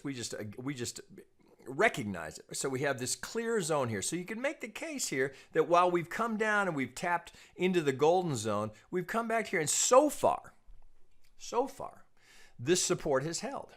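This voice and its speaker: A man giving an informal technical analysis lesson as a trading analyst, explaining in a measured, cautious way with repeated phrases and frequent check-ins. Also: mid-range voice, a bit bright. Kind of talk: informal technical analysis commentary over charts.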